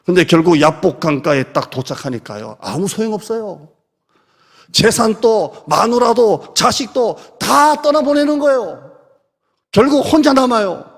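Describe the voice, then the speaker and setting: A middle-aged pastor from South Korea with a high, gravelly voice preaches a conversational Sunday sermon, sometimes dropping to a soft near-whisper. A long reverb carries his words through the church sanctuary.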